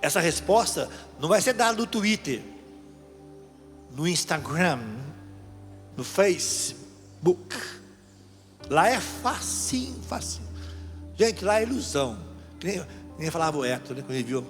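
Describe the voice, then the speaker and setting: A man's voice: a little high, expressive, normal speed, pauses often. Brazilian man preaching in a reverberant hall. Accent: Brazilian Portuguese. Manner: conversational storytelling, speaks straight to the audience. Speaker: deacon preacher. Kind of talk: sermon. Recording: reverberant hall with faint music.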